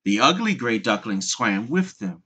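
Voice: mid-range voice, sing-song, a little slow, pushed and bright, slightly rough. A storyteller reading a scripted fairy tale aloud as narration.

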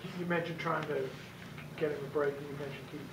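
Halting male reporter, higher voice. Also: steady tone. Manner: halting, restarts his questions. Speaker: sports reporter. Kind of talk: press conference questions. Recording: distant, echoey, noisy press room.

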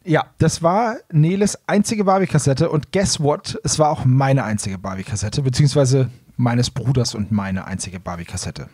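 A man hosts a podcast in a casual, conversational style. His mid-pitched voice has a husky edge, and the recording is close and dry. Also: moderate pace, a little mellow, no echo. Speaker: podcast host.

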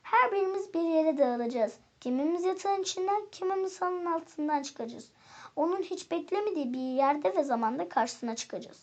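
A woman reading a storybook, voicing the oldest toy, a sad and wise white teddy bear who speaks gently. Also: very high voice, lively intonation, normal speed, highs cut off. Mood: scheming. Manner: gentle rhyming, sorrowful pleading.

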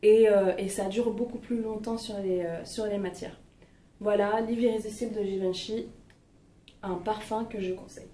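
Speaking in a mid-range, steady voice with a dark tone and moderate pace, the young woman reviews products she loves in a relaxed, hesitant way, leaning on fillers. The home recording sounds roomy, with a distant mic and a little noise.

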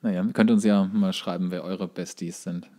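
A man with a fairly low voice co-hosts a casual comedy podcast. He sounds wry and playful, slipping puns and dry asides into relaxed, informal conversation. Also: normal speed. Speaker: podcast co-host.

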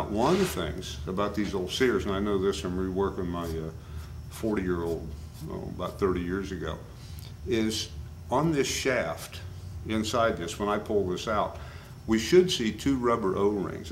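An older man with a very deep voice walks through a woodworking repair in a relaxed, rambling way, full of "uh"s and asides. He sounds a few steps from the camcorder mic, in a boomy, roomy workshop with steady noise behind him. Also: normal speed, far from the mic. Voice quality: folksy, rambling with many fillers. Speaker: woodworking instructor. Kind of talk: casual workshop demonstration. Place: home workshop, indoors. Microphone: camcorder mic at a distance.

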